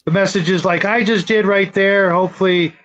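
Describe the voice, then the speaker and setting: A man's voice: high-pitched, steady tone, moderate pace, a bit bright. A middle-aged man hosting a casual live-stream chat, talking in a rambling, hesitant way. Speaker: show host. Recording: dull, lo-fi audio.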